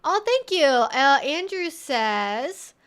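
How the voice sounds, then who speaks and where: A woman's voice: sits high, very animated, slow pace, a bit bright. A woman hosting a livestream, chatting casually and informally, rambling a little as she thinks aloud. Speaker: livestream host and educator.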